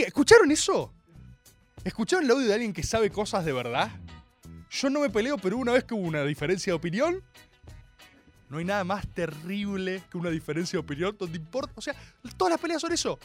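Animated high-voiced Argentine man. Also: a little fast, soft background music. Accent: Rioplatense Spanish. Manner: animated and joking, addresses the audience. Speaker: host. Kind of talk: comedic live chat show.

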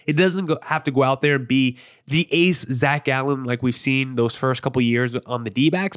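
A young man hosts a sports podcast, his voice nasal and clogged from allergies. He talks in a casual, brisk way, running through player stats and matchups. The sound is dry and close, with no room around it. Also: on the high side, a bit bright, no echo. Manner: brisk, self-promoting, stat-heavy. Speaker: podcast host.

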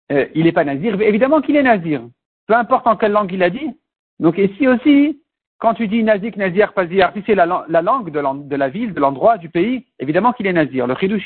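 A man's voice: high voice, husky. A man teaching a Talmud class, explaining step by step and mixing in Hebrew and Aramaic terms. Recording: tinny phone-like recording.

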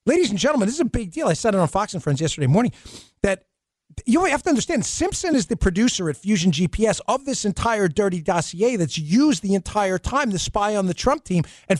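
Man, political talk host, faint New York accent, sarcastic, mocking, high, very animated pitch. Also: no room sound, clean studio sound. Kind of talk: political talk show commentary.

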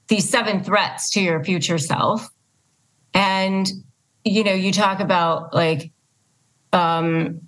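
A woman's voice: lowish voice, fairly bright tone, low-quality recording. A woman hosting a podcast interview in a conversational style, often circling back to rephrase her point. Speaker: podcast host.

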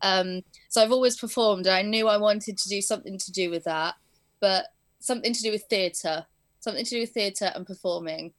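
Speaking briskly at a medium pitch, this young Englishwoman talks about being a performing arts teacher and editor in a relaxed interview. She was born in England but grew up in southern Spain, and her chat is sprinkled with fillers and easy laughter.

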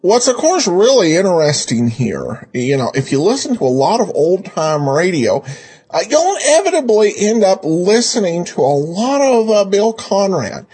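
A man hosting a podcast with casual commentary and listener mail, talking in a halting, hesitant way. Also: high-pitched, very animated, a little mellow, slightly rough. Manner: halting, hesitant, with repeated starts. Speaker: podcast host.

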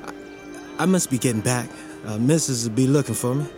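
An actor playing a shy young gardener who speaks deferentially, with hesitant stammers. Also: male voice, mid-range voice, moderate pace, over music, lightly acted. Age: young adult.

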